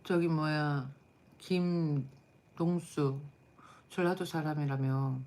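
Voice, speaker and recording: Blunt low-voiced woman streamer chatting. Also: steady tone, slow pace, darkish tone. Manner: blunt, chatty, answers chat comments aloud. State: tired. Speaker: live stream host. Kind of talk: casual live chat with viewers.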